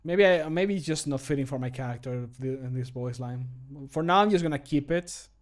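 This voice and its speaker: A man's voice: medium pitch, brisk. A man in his thirties chatting casually on a livestream, joking and self-critical. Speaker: streamer and game modder. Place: small indoor home room.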